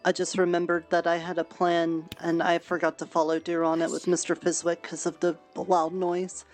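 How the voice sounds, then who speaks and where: A woman with a low, settled voice plays a motherly, practical character in a live roleplay. She hands out supplies and advice in easy, chatty turns, with faint music behind her. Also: monotone, normal speed, darkish tone. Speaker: streamer and roleplayer.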